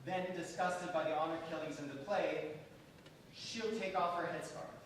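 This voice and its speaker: An actor playing a wary, plain-spoken intermediary in a theatrical staged reading, restrained and terse. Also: male voice, a little high, fairly even intonation, normal speed, lightly acted. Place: large echoing hall, staged reading. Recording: very echoey room, distant mic, faint noise.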